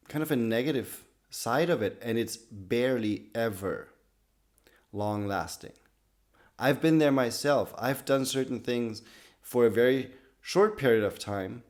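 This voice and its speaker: A man with a slightly raspy voice from being sick, talking to camera in an earnest, loose way about personal growth. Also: on the low side, a little mellow. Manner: earnest, loose sentences with many restarts and "like". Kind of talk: casual talk to camera.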